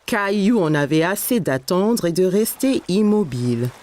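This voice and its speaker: Slightly low-voiced woman narrating children's story. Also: animated, measured pace, darkish tone.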